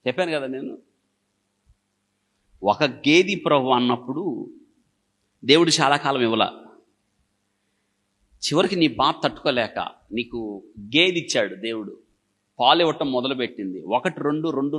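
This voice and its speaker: A man's voice: medium pitch, animated, normal speed, pauses often, a bit bright. A male pastor preaching a sermon in short bursts, firing repeated questions at the congregation and telling everyday stories to make his point.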